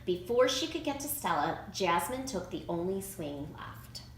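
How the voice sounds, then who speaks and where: Lady reading a kids book out loud, really lively and expressive, echoey room w some noise. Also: on the low side, measured pace. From United States. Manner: expressive, emphatic storytelling for children. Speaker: children's author reading own picture book. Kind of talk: read-aloud storybook narration. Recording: roomy echo, clear background noise.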